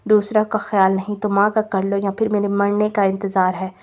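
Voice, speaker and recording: A woman voicing an ailing, demanding mother in a novel read aloud, in a flat, even reading voice. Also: medium pitch, close to an everyday voice. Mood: reproachful.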